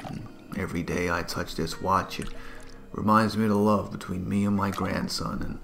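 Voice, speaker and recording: Man acting a deep, gravelly sentimental gentleman. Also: heavily acted. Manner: measured, earnest, dramatic. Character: suave, sentimental gentleman telling a solemn anecdote. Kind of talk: dramatic character monologue. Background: music.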